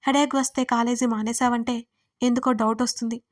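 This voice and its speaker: A woman voicing a chatty young college girl who loudly teases her best friend. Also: fairly high pitch, little pitch movement, fairly quick, natural voice. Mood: teasing.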